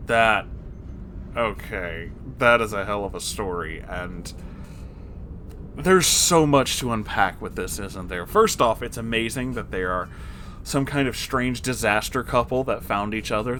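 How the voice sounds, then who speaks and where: A man reading a story aloud as host and reacting to it, with an expressive, exasperated and sarcastic manner. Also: medium pitch, slight background noise. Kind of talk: story narration with reaction commentary.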